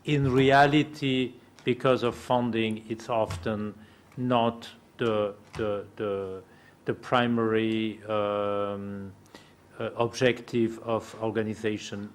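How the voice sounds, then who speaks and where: A man who works in refugee education, giving a halting, careful answer at a conference panel with many pauses. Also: fairly low pitch.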